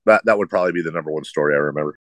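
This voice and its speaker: A man's voice: rumbling low, rapid-fire, no room sound. A middle-aged man who hosts sports radio, with a slight lisp and a nasal, droning voice, answering interview questions in a rambling, self-deprecating way.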